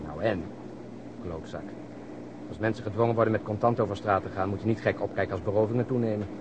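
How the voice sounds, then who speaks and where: A man's voice: fairly low pitch, quick pace, highs cut off, close to an everyday voice. Man doing a wry cop who lectures his colleague, hissy old radio tape. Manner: wry, lecturing, explains at length. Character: wry, talkative middle-aged male police detective. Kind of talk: radio play acting. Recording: noisy old radio recording.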